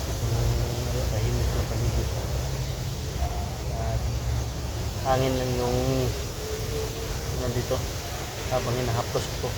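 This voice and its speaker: The voice is a man's, of middling pitch, with a Filipino accent. He talks to his viewers casually and familiarly, halting and repeating phrases as he goes. The recording is made outdoors and is clearly noisy with wind. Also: monotone. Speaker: adventure vlogger and host. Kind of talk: casual vlog narration to viewers. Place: outdoors in a windy, quiet spot.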